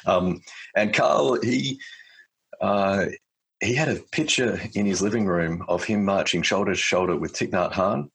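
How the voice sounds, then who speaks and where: A man in his forties, speaking as a podcast guest in a reflective, halting way with many fillers and restarts. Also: deep voice, creaky, fairly bright tone, husky. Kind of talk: casual conversation.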